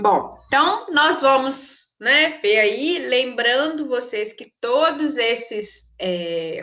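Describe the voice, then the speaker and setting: A shrill, bright and sharp voice is raised and projected, moving at a very slow pace with lively intonation and hardly any pauses. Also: woman, high pitch for a woman. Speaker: literature teacher. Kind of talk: online class lecture.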